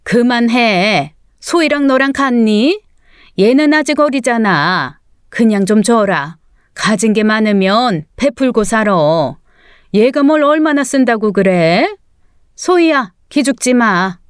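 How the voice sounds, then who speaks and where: Older mother, nagging and partial to her youngest, read by a woman, in a clear, dry story reading. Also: a little high, animated, slow pace, no echo. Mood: scolding. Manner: scolding, pleading.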